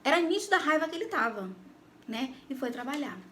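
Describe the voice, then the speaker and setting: Brief: Brazilian woman, high bright voice, animated faith testimony to her viewers, faint noise behind. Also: brisk. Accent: Brazilian Portuguese. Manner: animated, addresses listeners directly. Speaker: Christian YouTuber giving testimony. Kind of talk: personal faith testimony storytelling.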